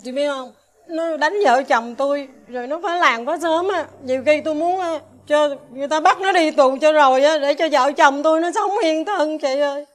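A woman's voice: high-pitched, normal speed, close to an everyday voice. An actress playing a distressed mother complaining about her addicted son, with a Southern Vietnamese accent. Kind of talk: TV crime reenactment drama.

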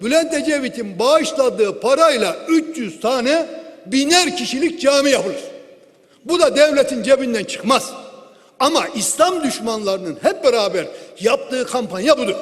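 A man giving a forceful political speech from the rostrum, speaking into a lectern microphone in a large hall and asking rhetorical questions. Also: extremely high pitch, animated, moderate pace. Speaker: member of parliament giving a speech. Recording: long hall reverb.

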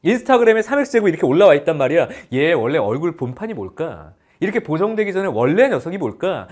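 A man delivering an online math lesson in a somewhat raised voice whose pitch rises and falls with lively energy. He is playful, switching between polite and casual speech with his students. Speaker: math teacher. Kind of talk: online lecture.

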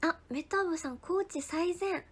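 At an ordinary speed, a young woman with a bright, high voice hosts a casual idol livestream, reading out comments. Chatty throughout, she thanks viewers by name and keeps slipping into gentle whispers.

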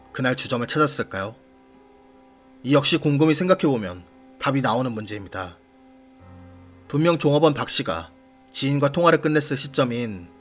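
A man hosting and narrating a scripted true-crime series in a measured, formal manner, putting questions to the audience. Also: mid-range voice, a bit bright. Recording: voice over background music. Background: background music.

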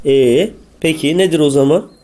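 Cartoon teacher voiced by a man: dark, soft-edged timbre, kindly and inquisitive, fond of prompting pupils. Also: a little high, normal speed, natural voice. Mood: curious. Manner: addresses pupils fondly, asks leading questions. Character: kindly, curious school teacher, easily amazed. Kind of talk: scripted comic cartoon dialogue.

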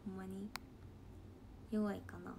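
On a late-night livestream, an idol trainee with a Kansai accent chats casually, reading comments in a loose, giggly, rambling way and sounding sleepy. Her mid-range voice is dark and creaky, delivered flatly at a slow pace. A little hiss or hum sits in the background.

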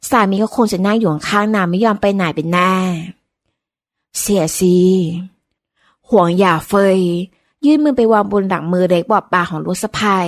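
A woman narrating a period-romance novel as an audiobook in a calm, even storytelling manner, close to the mic. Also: mid-range voice.

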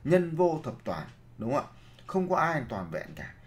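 A man's voice: fairly high pitch, big pitch swings, unhurried. A man giving a seminar lecture as a leadership trainer, posing rhetorical questions, then answering them himself, and repeating his key phrases to the audience.

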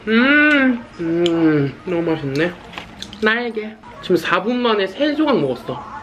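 A woman's voice: medium pitch, very animated, slow, fairly bright tone, slight background noise. A young woman vlogging casually, talking with her mouth full and mumbling short reactions between bites. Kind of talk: casual eating vlog chat. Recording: background music and crowd chatter.

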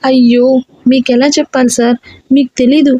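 A woman reading a story aloud and voicing a feisty, flustered young heroine who shouts when upset. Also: flat delivery, normal speed, dry recording, highs cut off. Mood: exasperated. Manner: exasperated, shrill outbursts.

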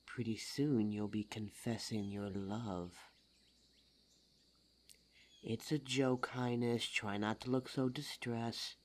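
A performer voicing a suave, teasing demon lover in an intimate ASMR roleplay audio drama, smooth-talking and formal in address. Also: medium pitch, fairly even intonation, unhurried, natural voice. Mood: teasing, smug.

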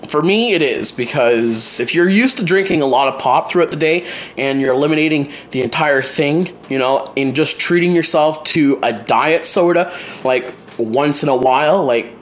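A young man vlogs casually from his small home kitchen and living room, rambling with many fillers to a close wide-angle handheld camera. His voice is on the high side at a moderate pace.

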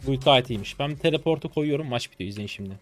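A man in his twenties commentating his own gameplay live, excitable and swearing casually as he talks to viewers. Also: medium pitch, quick pace, soft background music. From Turkey. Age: 20s. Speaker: game streamer.

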